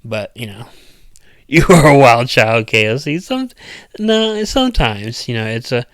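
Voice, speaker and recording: A man chatting casually with viewers on a stream, with a loud, strong voice and an uneven, rambling cadence full of restarts. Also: mid-range voice, animated, unhurried, smooth, no room sound, clean studio sound. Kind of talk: casual live chat.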